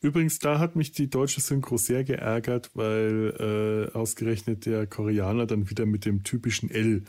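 Hesitant German-speaking podcast host. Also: male voice, fairly low pitch, fairly even intonation, normal speed, warm tone. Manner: thoughtful, hesitant with many fillers and restarts. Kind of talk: casual podcast chat.

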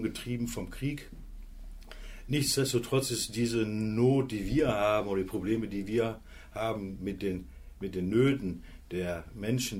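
Earnest man in his sixties, low voice. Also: darkish tone, a little hiss or hum. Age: 60s. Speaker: sales manager, radio guest. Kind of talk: radio interview.

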